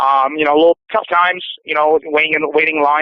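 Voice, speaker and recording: Flat and monotone, a man with a fairly high pitch rushes along at a very fast pace. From Poland, moved to Winnipeg, Canada at about ten. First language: Polish. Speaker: MMA fighter. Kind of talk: interview. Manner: many fillers and repeated words.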